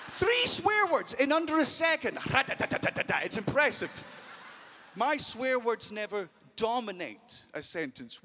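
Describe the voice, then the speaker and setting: High-voiced brash stand-up comedian. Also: male voice. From Britain. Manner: loud, brash, heavy swearing, bursts of shouting. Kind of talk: stand-up comedy to a live crowd. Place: live venue with a crowd.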